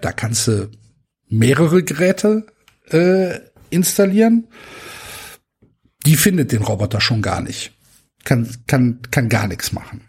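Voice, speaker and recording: A man's voice: mid-range voice, a little mellow, husky. A man co-hosting a casual football podcast, telling a wry anecdote and acting out both sides of a phone call. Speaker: podcast co-host.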